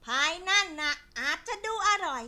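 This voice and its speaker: A woman's voice: very high voice, lively intonation, normal speed, noisy background. A woman voicing a hardworking little ant who lectures in a stern way, in a children's storybook. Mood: scolding. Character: diligent scolding little ant.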